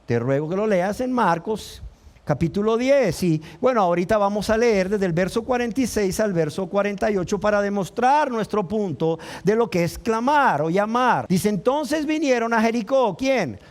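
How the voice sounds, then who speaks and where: A man's voice: high voice, expressive, moderate pace. A male pastor preaching a sermon with passion, often acting out the voices of the people in his story. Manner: impassioned preaching, acting out voices of the crowd and the blind man.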